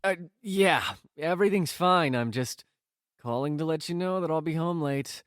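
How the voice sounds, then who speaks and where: Mild boyfriend played by an actor, dry recording. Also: male voice, on the high side, normal speed, clear, resonant tone, dry recording, close to an everyday voice. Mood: hesitant. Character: Marcus, mild affectionate boyfriend, slightly hesitant. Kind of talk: audio drama dialogue.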